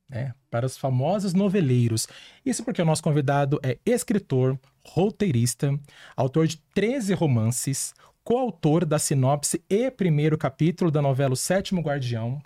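A man co-hosts a podcast in a mellow, slightly raised voice. He is friendly and easygoing, chiming in and reading introductions. The sound is dry and close. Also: a little high, dry recording. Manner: friendly, reads guest introduction. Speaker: podcast co-host. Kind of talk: live podcast chat.

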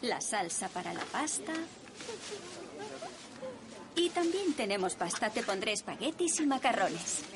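An actress dubbing a cheerful, chatty food bank volunteer who talks in a friendly, helpful way. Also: female voice, mid-range voice, very animated, a little slow, long pauses, noisy background.

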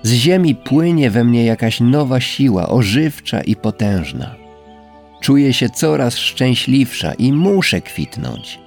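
A man voicing a gentle, humble female rose in a storybook reading, speaking softly and tenderly, in a voice raised well above his own. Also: mid-range voice, very animated, measured pace, pitched above the performer's own voice. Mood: earnest. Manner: soft, wondering, tender. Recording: faint background music.

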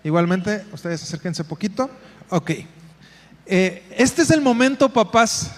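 A parents' workshop facilitator with a Mexican Spanish accent speaks in a high, expressive voice at a slightly slow pace. He steers the group through a live exercise, calling on people by name and repeating his instructions in a directive way, with the sound echoing around a hall.

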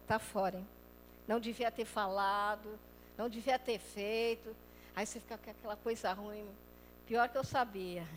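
A woman preaching a lively sermon. She acts out quoted voices and swings between loud and soft. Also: a little high, big-room sound, a little hiss or hum.

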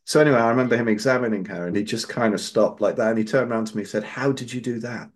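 A man's voice: fairly low pitch, racing. A man hosting a podcast, telling a long personal story casually, his voice jumping up when he quotes others. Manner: animated, rises sharply when quoting others. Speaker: podcast host.

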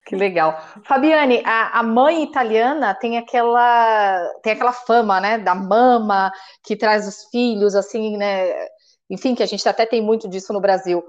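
A woman from Brazil hosts a relaxed interview in a fairly high voice. She asks curious questions and drops short, friendly remarks between her guests' answers. Her recording sounds dull and lo-fi. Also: a little slow, soft background music. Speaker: host. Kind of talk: casual interview.

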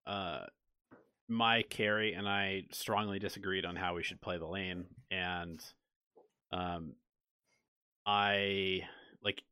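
A man in casual chat, telling a story in an animated way and acting out the quotes. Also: lowish voice, no room sound, studio quality.

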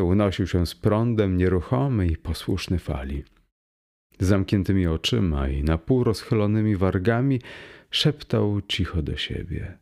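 A man reads an audiobook in a deep, low voice, taking his time over every phrase. His delivery is measured and literary, with a lively, wide-ranging melody. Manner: measured, expressive literary reading. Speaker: narrator. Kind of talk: audiobook narration.

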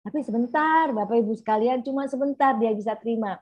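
A middle-aged woman, a clinical psychologist, explaining to an audience in a lively way and acting out other people's voices. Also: fairly high pitch, fast talker. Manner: lively, acts out clients' voices.

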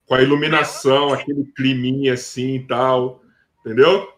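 A man's voice: medium pitch, flat delivery, moderate pace. A man with a Brazilian Portuguese accent chatting casually on a podcast, informal and slangy, swearing and repeating words.

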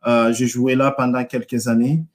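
A man from Montreal with Congolese roots talks as an interview guest. His voice sits at an average pitch. He speaks casually, in a hesitant, halting way as he builds his answers. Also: flat delivery. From Montreal, Canada, of Congolese descent. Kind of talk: casual live interview talk.

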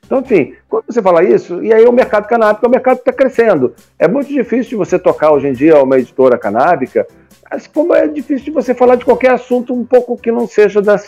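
A Brazilian man in his fifties speaks in a somewhat high register. He talks casually, in a colloquial way, checking in with the listener as he goes. The recording is slightly dull, with music playing behind him. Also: lively intonation, quick pace, warm tone. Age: 50s. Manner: talkative, colloquial, often seeks agreement with tag questions. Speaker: guest, comics publisher. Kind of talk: casual conversational interview talk.

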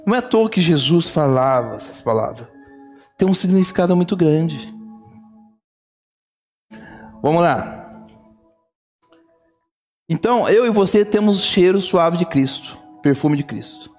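A man's voice: fairly high pitch, animated, unhurried, long pauses, a little mellow, soft background music. A man preaching a sermon, telling a story fervently and repeating phrases. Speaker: pastor.

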